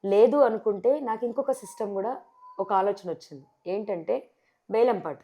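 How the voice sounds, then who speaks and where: This sarpanch candidate, a woman with a Telangana Telugu accent, gives forceful TV interview answers packed with rhetorical questions. She keeps a medium pitch and a moderate pace.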